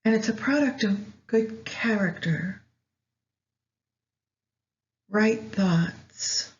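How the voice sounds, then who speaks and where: A woman leading a guided meditation in a measured way, pausing between short phrases. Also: medium pitch, dull audio. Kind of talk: guided meditation with astrology commentary.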